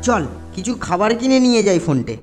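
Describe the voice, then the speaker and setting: An actor playing a clever, mischievous young schoolboy ringleader in a children's cartoon, with a cheeky manner. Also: male voice, high voice, very animated, fast. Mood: eager. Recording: loud music behind the voice.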